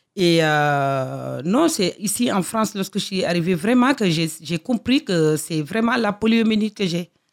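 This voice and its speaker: A woman with a medium pitch speaks at a fairly slow pace with lively intonation and hardly any pauses. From Senegal, rural village near Goudiri. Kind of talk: radio interview, personal testimony. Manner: halting, with repetitions.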